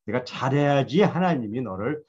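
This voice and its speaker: A man's voice: mid-range voice, animated, normal speed, darkish tone, breathy edge, dull audio. A man voicing a self-righteous male friend who scolds and lectures in a hectoring way. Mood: lecturing.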